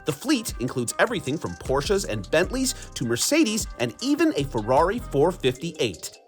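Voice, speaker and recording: A man reading a short news report in a lively, emphatic way. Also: fairly high pitch, moderate pace, faint music behind.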